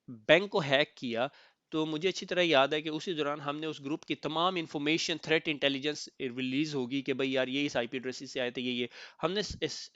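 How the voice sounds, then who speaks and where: A man's voice: fairly high pitch, fairly bright tone, dry recording, muffled recording. A man teaching a recorded technical lecture in a conversational way, often stopping to check that listeners follow. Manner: conversational, code-switching with English terms, frequent "thik hai?" check-ins. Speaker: instructor.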